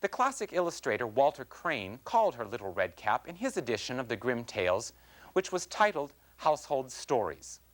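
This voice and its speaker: A man hosting an educational program, narrating from a script in an articulate, explanatory way with measured phrasing. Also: medium pitch, very animated. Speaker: host and presenter of an educational TV program.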